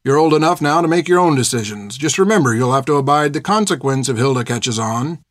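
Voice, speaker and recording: A man's voice: mid-range voice, animated, fast, fairly bright tone, dry recording, clean studio sound. A man voicing a blunt older male handyman who calls a girl Missy. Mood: warning.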